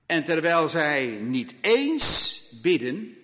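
Male preacher, sermon, very slow delivery, emphatic repetitions, dramatic pauses, long hall echo. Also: a little high, sing-song, sharp tone.

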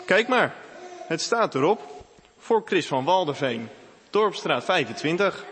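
Storybook schoolboy, voiced by a man, lively, high, echoey hall, faint hiss. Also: unhurried. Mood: excited.

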